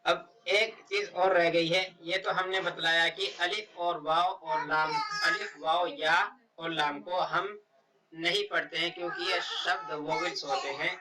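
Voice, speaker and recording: A man teaching how to read the Quran, spelling out Arabic letters and words one slow syllable at a time. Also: a little high, little pitch movement, far from the mic, low-quality recording. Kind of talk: step-by-step recitation lesson.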